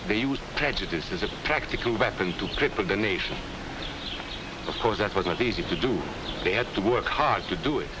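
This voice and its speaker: A middle-aged man with a Hungarian accent playing a calm former professor who talks in a measured, lecturing way, in a 1940s film. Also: on the low side, close to an everyday voice. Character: calm, earnest male immigrant professor. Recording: hissy 1940s film soundtrack.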